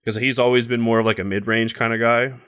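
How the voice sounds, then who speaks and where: A young man with a middling pitch talks casually as a podcast co-host. He gives blunt, opinionated takes, loose and sweary, with "like" scattered through his sentences. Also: little pitch movement, fast, fairly bright tone, smooth. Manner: blunt, heavy use of "like", swears freely. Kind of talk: casual chat, opinionated music review.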